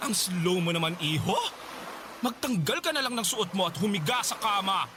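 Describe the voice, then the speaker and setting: A man's voice: high voice, animated, moderate pace, music in the background. A Filipino man in a radio drama playing an effeminate, flirtatious and impatient gay client, with a campy, drawling, haughty manner. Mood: impatient, threatening.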